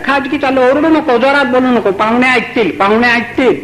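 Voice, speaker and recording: A man putting on a shrill, complaining wife. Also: brisk, fairly bright tone, reverberant, rough recording. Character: sharp-tongued wife in a pretend quarrel.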